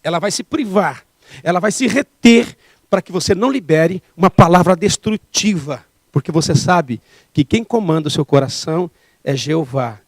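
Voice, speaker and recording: A man's voice: a little high, lively intonation, normal speed, dry recording. A man preaching a sermon as pastor, emphatic and full of rhetorical questions.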